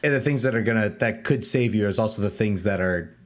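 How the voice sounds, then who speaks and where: A man's voice: on the low side, a little fast. A man hosting a podcast roundtable, asking long rambling questions and gushing over the story. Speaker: podcast host, lore keeper. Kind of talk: casual roundtable chat.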